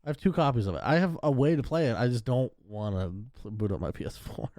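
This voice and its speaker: Laid-back podcaster, lively pitch, dry sound. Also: fast, no echo. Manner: laid-back, hedging, lots of fillers. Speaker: podcast co-host. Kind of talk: casual gaming chat.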